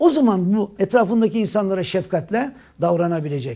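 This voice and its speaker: Against a quiet background, a man with a high pitch and a dark, mellow tone speaks at a moderate pace with very wide pitch swings. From Turkey, Balıkesir (village); Turkey. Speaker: theology professor; guest. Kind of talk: TV interview. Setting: TV studio. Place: studio.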